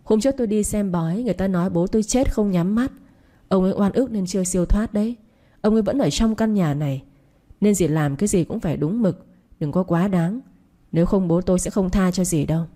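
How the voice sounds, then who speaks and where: A woman's voice: mid-range voice, a little fast, warm tone, natural voice. A woman voicing a guilt-ridden young man who speaks curtly and reproachfully to his stepmother. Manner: curt, reproachful.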